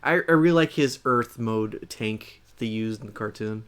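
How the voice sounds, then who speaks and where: A man hosting casual game commentary, speaking haltingly and often repeating words. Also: fairly low pitch, fairly bright tone, clean tone. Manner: halting, repeats words, chuckles through remarks. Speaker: gameplay video host.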